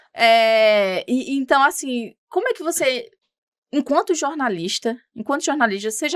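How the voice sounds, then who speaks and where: Her intonation is lively as this woman speaks at a moderate pace. The recording is very clean, with a silent background. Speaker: newspaper reporter. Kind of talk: podcast interview.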